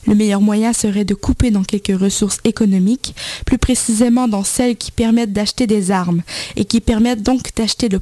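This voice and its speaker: A woman radio reporter delivering a scripted report in a measured tone. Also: mid-range voice, dark tone, dry recording.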